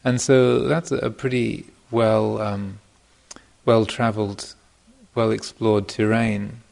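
Male meditation teacher, lowish and very gravelly, informal dharma talk, reflective, halting delivery. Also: little pitch movement, darkish tone. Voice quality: gravelly, creaky voice. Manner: hesitant, thoughtful, pausing mid-phrase. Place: meditation retreat center.

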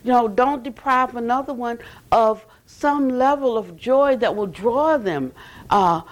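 An older woman gives a dharma talk at a retreat center, her voice sitting high. She tells stories in a loose, animated way, often restarting her sentences and adding "you know". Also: measured pace, poor audio. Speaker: Buddhist teacher. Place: retreat center meditation hall.

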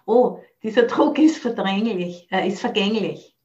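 A woman's voice: mid-range voice, expressive, a little slow, mellow. Reflective woman over muffled audio. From Austria. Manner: thoughtful, searching for words, mixes in English phrases. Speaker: Buddhist nun teacher. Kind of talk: dharma talk. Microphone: video call.

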